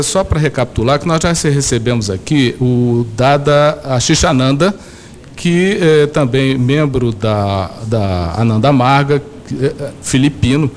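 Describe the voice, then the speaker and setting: A man's voice: mid-range voice, slight background noise. A man hosting a radio interview, asking hesitant questions full of fillers.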